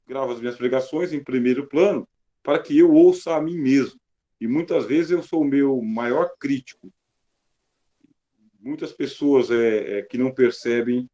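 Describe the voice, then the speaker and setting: A man's voice: mid-range voice, warm tone. A Brazilian man with a Brazilian Portuguese accent, giving an emphatic classroom lecture on reading scripture and asking and answering his own questions. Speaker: Bible teacher. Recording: slightly dull lo-fi sound.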